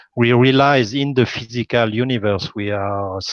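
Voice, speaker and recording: A man with a French accent at a very slow pace, fairly even intonation, dry close sound with no echo, and a quiet background. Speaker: workshop participant. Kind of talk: live online Q&A. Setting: video call.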